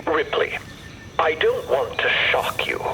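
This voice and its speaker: Give this one to an anxious, bookish fellow in an audio drama. His phrasing is formal, wordy and halting, with very lively pitch. There is clear noisy ambience behind him. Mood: anxious, earnest. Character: anxious, cerebral, wordy man named Merlin. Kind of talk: narrative fiction podcast acting.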